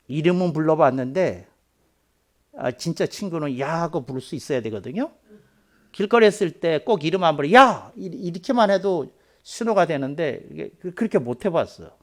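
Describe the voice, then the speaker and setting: A Korean man who is a pastor, preaching a sermon in a storytelling way that slows down for emphasis. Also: lively intonation. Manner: storytelling, voicing quoted people with rising pitch and force.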